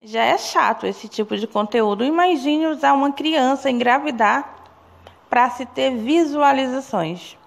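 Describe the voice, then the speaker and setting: A hoarse young woman from Brazil, vlogging to camera in an indignant, gossipy way, talking straight to her viewers. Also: high-pitched, measured pace. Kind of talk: casual opinion vlog to camera. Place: small indoor room. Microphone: phone or webcam close to face.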